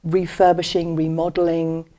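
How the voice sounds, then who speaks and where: A woman hosting an interview, a real estate agent who asks chatty questions with quick asides. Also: fairly low pitch, monotone, mellow. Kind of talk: conversational interview.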